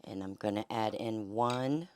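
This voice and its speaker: A woman host with a Southern accent and a hoarse, fading voice, chatting folksily through a home cooking demonstration. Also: very deep voice, measured pace, a little mellow, a little hiss or hum. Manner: chatty, folksy, many fillers. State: hoarse, losing her voice. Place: home kitchen.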